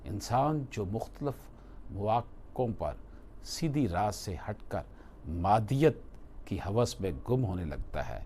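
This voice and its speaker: A man delivering a scripted devotional talk in a solemn, deliberate way, phrase by phrase. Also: on the low side, sing-song, warm tone, a little hiss or hum. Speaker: religious speaker.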